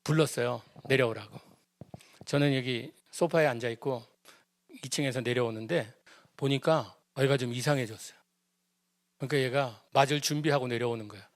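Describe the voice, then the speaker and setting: A middle-aged male pastor telling a family story in a sermon, animated and humorous, acting out the voices of the people in it. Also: mid-range voice, normal speed, no room sound, clean studio sound. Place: church prayer service.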